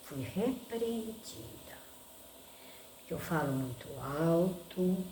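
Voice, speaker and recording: A woman's voice: low voice, echoey room, slight background noise. A woman with a Brazilian Portuguese accent chatting casually to her viewers on a phone, full of fillers and "né?" tags. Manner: chatty, filler-heavy with frequent "né?"; says she talks loudly. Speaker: vlogger.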